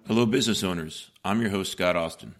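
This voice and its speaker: Man, hoarse, raspy, very deep voice, podcast host, practical explainer, home booth. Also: fast, soft background music. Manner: plain, practical, step-by-step explaining. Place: small home recording booth in a converted garage.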